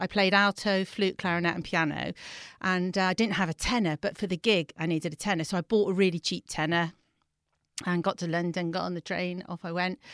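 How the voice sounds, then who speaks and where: A woman speaks at a fairly quick pace with medium pitch and fairly even intonation. The recording is very clean with a silent background, and the sound is dry and close with no echo. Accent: West Country. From Gloucester, England. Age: 50s. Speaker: charity volunteer and former school music teacher. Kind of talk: podcast interview. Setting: studio.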